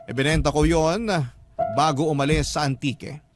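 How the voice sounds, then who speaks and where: A man's voice: fairly high pitch, steady tone, normal speed. A young man narrating a letter in a scripted radio drama, earnest and confessional. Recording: loud music bed under narration.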